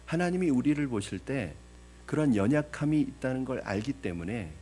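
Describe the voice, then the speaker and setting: A man's voice: medium pitch, animated, moderate pace, mellow, slight background noise. A male pastor preaching a sermon to his congregation, asking them questions and acting out the story's characters with drama. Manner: addresses the congregation with rhetorical questions; acts out the parable's voices dramatically.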